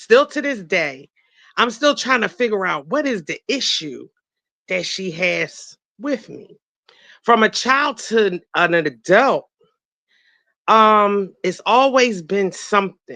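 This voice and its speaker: Pitched in the middle range, a woman speaks very slowly with long, frequent pauses, her bright, sharp tone carrying vocal fry, very wide pitch swings and big shifts in loudness against a quiet background. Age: 50s. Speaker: stream participant. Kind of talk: personal testimony.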